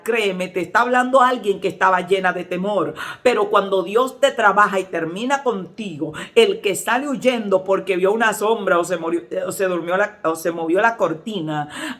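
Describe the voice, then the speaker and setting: A woman pastor with a Dominican accent, preaching a sermon and telling lively personal stories. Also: medium pitch. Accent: Dominican Spanish. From Dominican Republic. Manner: lively storytelling, acts out quoted voices.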